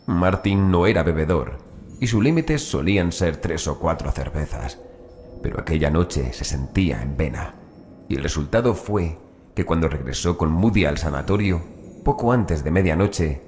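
A man reading a horror audiobook as narrator in a measured, phrase-by-phrase manner. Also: deep voice, animated, a little mellow, soft background music.

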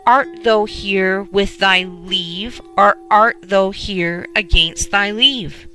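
A woman's voice: medium pitch, slow pace, bright, forceful tone, soft background music. A woman voicing a confident bullock in a folk tale, reassuring in old-fashioned speech.

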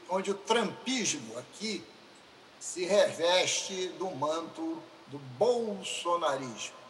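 A man with a Brazilian Portuguese accent giving a formal, deliberate speech in a legislative chamber, addressing a colleague formally. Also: a little high, a bit bright. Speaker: state deputy. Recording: roomy chamber sound with faint hiss.

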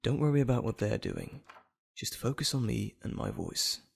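Audio drama role: actor as caring, anxious male doctor, gravelly, very lively intonation, soothing manner. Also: medium pitch, moderate pace, full character voice. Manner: soothing, earnest.

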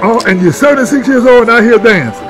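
A man's voice: very high-pitched, fast. A man with a Memphis Southern accent, casually interviewing dancers outdoors, friendly and joking, repeating their answers back. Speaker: interviewer and filmmaker. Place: outdoor party in a yard. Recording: loud music and crowd outdoors.

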